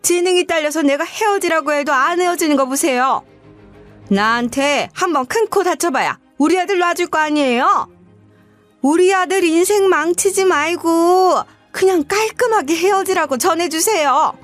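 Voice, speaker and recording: A woman's voice: normal speed, fairly bright tone, faint music behind. A woman voicing a haughty, scornful middle-aged future mother-in-law who belittles and scolds. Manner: sneering, belittling, shrill scolding.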